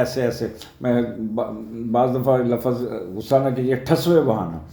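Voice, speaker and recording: A man's voice: medium pitch, mellow, reverberant. An older man from Pakistan with a Lahore Urdu accent, giving a chatty weekly horoscope talk that rambles into anecdotes and drops in English phrases. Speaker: astrologer.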